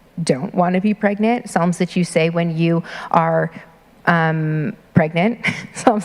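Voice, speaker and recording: Here is a woman with an American accent and fairly even intonation. Noticeable background noise sits behind her. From US, Denver, Colorado. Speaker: rabbi. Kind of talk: lecture Q&A.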